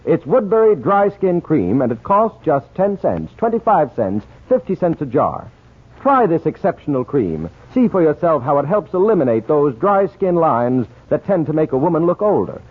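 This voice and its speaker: Animated male 1940s radio announcer. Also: normal speed, slightly rough. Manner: polished sales pitch addressed to women. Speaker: radio announcer reading commercial. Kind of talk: scripted 1940s radio advertising. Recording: tinny, narrow old radio recording.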